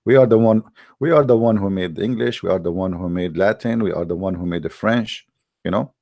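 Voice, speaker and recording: Deep-voiced, gravelly Arab-accented man hosting. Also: fairly quick, darkish tone. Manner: joking, sarcastic, teasing. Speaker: host of a live debate broadcast. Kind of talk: casual rambling live-stream talk.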